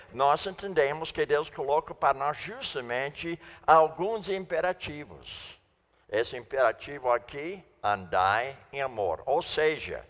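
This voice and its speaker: A man's voice: fairly high pitch, a bit bright. A man preaching a sermon in Portuguese, which is not his first language, stressing and repeating key phrases. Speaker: guest preacher. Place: church sanctuary. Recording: long church reverb.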